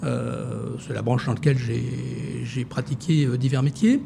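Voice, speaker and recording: A man's voice: mid-range voice, a little slow, vocal fry, noisy background. A man giving hesitant, filler-heavy answers in a TV interview as director of a social security fund. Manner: hesitant, many fillers and restarts.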